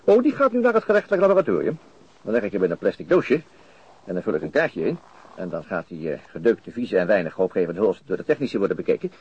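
A man's voice: fairly low pitch, very animated, fast talker, darkish tone, slightly rough. An actor playing a dogged, methodical middle-aged police chief inspector in a Dutch radio play, hesitating as he thinks aloud. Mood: matter-of-fact. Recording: muffled, dull radio drama recording.

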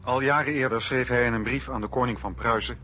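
A man narrating a scripted historical radio documentary in a measured, factual way. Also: mid-range voice, steady tone, bright, forceful tone, highs cut off, soft background music.

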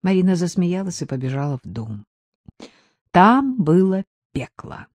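A woman narrating an audiobook in a lively storytelling manner. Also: on the low side, a little slow, dry recording.

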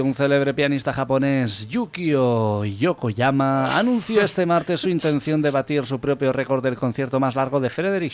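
Man, radio comedy host, brisk joke telling, music playing behind. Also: medium pitch, a little mellow. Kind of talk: telling jokes and reading odd news on radio. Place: radio studio.

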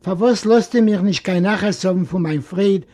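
Doting elderly uncle, coaxing and fussy , read by a man; raised voice, warm dark tone, storybook figure. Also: high voice, normal speed. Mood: fussing. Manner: coaxing, fussing.

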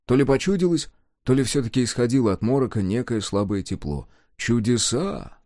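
A man reads a folk tale in a folksy, expressive storyteller's manner. His pitch moves in a lively way while his tone stays dark and mellow. The recording is dry and close. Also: brisk, dry recording. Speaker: audiobook narrator. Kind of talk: scripted storybook narration.

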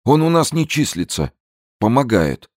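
A man voicing a terrified, wheezing middle-aged black-market boss with a hoarse, trembling voice in an audiobook. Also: mid-range voice, sing-song, a little slow, a little mellow, dry recording, studio quality, voice pushed up. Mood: panicked.

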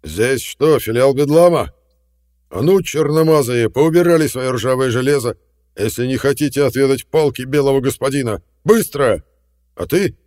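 A man voicing a domineering old colonel and grandfather in an audiobook, barking loud orders. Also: medium pitch, moderate pace, no echo, clean studio sound, pitched above the performer's own voice, lightly acted. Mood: commanding. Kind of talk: audiobook reading.

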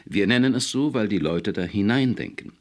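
A man's voice: on the low side, lively intonation, moderate pace, pitched above the performer's own voice, natural voice. A man voicing an older, white-haired company boss who sounds businesslike and then coaxing with a child.

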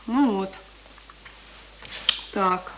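A woman's voice: medium pitch, very slow. An actress playing a teasing, bossy village teenage girl who tutors, in a radio play. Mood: bossy, instructing. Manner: instructing, mocking. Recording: noisy old radio play recording.

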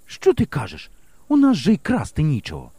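A man voicing a brave, resolute young woman, a village teacher who speaks in a bright, brisk and reassuring way in an audiobook. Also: fairly high pitch, wildly swooping pitch, husky, no echo, full character voice. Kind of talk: audiobook character voice.

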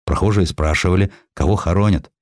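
A man reading historical essays as an audiobook narrator, in an expressive scripted storytelling style. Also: sits low, fairly quick, dry recording, studio quality. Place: dry recording studio.

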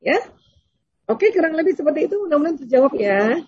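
A woman giving a conversational religious lecture in style, gently reassuring and acting out little dialogues as she answers questions. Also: sits high, big pitch swings, fast, no room sound, lo-fi sound. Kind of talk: Islamic lecture with Q&A.

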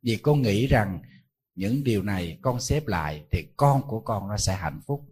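A man's voice: fairly low pitch, animated, normal speed, a little mellow, breathy edge. A man, a Buddhist monk giving a sermon, telling stories in a conversational way and throwing rhetorical questions at his listeners.

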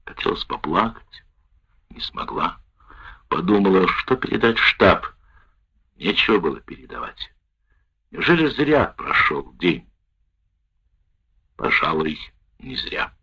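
A man narrates a wartime memoir in a low, husky voice. His measured reading moves through a wide, lively melody. The recording sounds dull and lo-fi. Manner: measured, expressive first-person reading.

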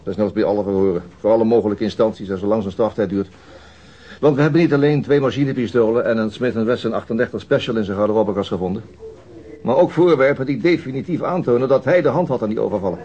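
Dry, low-voiced police detective. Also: male voice, fast, mellow, husky. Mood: weary, exasperated. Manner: dry, understated, wry. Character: dry, mild-mannered male senior police detective. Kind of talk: radio drama acting. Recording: muffled, noisy old radio drama recording.

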